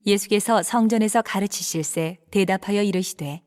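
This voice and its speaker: A woman narrating a dramatized Bible reading with an even, clear storytelling delivery. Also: medium pitch, normal speed.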